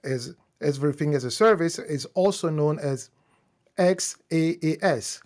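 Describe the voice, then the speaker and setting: A man's voice: fairly high pitch, unhurried, a little mellow. A man whose first language is French, hosting a live-streamed tech talk in English, speaking off the cuff with restarts and fillers while greeting viewers. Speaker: host.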